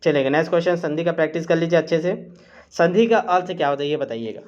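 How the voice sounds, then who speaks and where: A man's voice: fairly high pitch, quick pace, darkish tone, dull audio. A man teaching a live online exam-prep quiz class, reading out questions and options and coaxing students with "theek hai". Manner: coaxing, repeats "chaliega" and "theek hai", reads options aloud.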